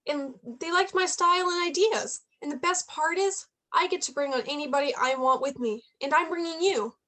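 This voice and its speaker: A woman's voice: sits high, moderate pace, pushed and bright. A woman playing an ambitious young journalist and loyal friend, frustrated at times, in a staged reading of a play. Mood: excited, proud.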